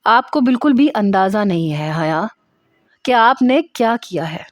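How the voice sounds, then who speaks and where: A woman's voice: mid-range voice, no echo, lightly acted. Stern male senior doctor played by a woman narrator, harsh and emphatic, dressing down a trainee, dry close sound. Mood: stern anger.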